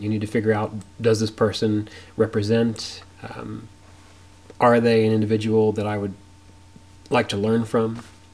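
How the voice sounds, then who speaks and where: A man's medium-pitched voice with an Appalachian accent. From West Virginia, US. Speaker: astrologer and teacher. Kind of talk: online class lecture. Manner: casual, with many fillers.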